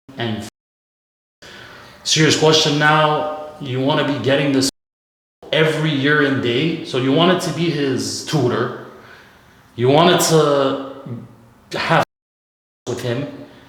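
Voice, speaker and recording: Speech comes at a fairly slow pace with fairly even intonation and long, frequent pauses. Room echo is audible. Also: man, fairly high pitch for a man. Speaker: predator-catching vlogger. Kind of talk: confrontational interrogation. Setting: apartment complex lobby. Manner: loud.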